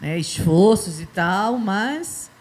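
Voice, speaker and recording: A woman's voice: mid-range voice, expressive, slow, darkish tone. A woman, a co-host on a church webcast, replying briefly and plainly. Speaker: program co-host. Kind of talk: casual chat.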